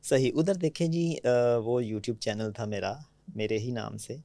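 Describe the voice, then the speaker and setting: A man's voice: medium pitch, fairly even intonation, creaky, dark tone, no room sound. A man from Pakistan, a podcast guest, with a Punjabi-tinged Urdu accent, recounting his experiences in a chatty storytelling way and often checking in with the listener. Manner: anecdotal, frequently asks "theek hai?" to check understanding. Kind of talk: conversational storytelling.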